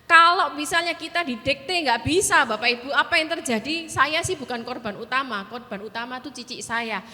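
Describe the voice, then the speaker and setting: Bright high-voiced woman teaching in a hall. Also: normal speed. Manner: animated, often addresses the audience directly, mixes in English words. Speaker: church workshop speaker. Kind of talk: conference teaching with personal stories. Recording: long hall reverb.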